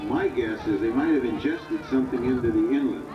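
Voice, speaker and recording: A man's voice: mid-range voice, brisk, over music. A man working as an airshow commentator, announcing model aircraft over a public address system outdoors. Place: outdoor flying field with grandstands. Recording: echoey outdoor PA, distant, muffled, noisy.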